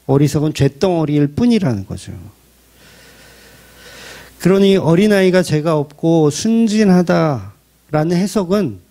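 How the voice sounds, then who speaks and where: A man's voice: a little high, dark tone. A male pastor delivering a church sermon in a conversational way, with rhetorical questions and light humor.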